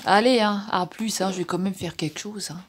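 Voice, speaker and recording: A woman's voice: mid-range voice, fairly even intonation, a little fast, a little hiss or hum. A woman vlogging casually at home, chatting to the camera and talking to her pets in a sing-song voice. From France. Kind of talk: casual vlog chat.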